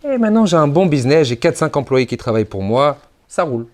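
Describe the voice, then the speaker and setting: A man's voice: a little high, big pitch swings, quick pace, a little mellow. A man voicing a cheerful nineteen-year-old male entrepreneur from Brooklyn in a story, easygoing and content.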